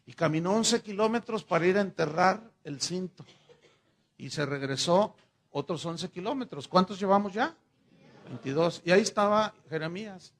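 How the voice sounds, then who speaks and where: Telling personal stories in a laid-back sermon, this middle-aged Mexican pastor acts out both sides of the dialogues he recounts. He has a Mexican Spanish accent and a raspy, gravelly voice that sits high for a man, and he speaks at a normal speed.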